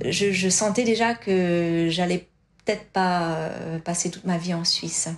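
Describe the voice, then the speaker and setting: A woman with a fairly low pitch talks at a fairly slow pace, her intonation fairly even. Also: quiet background. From Switzerland, near Zurich (German-speaking). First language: Swiss German (speaking French). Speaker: expatriate interviewee. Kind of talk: interview. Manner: halting, many hesitations.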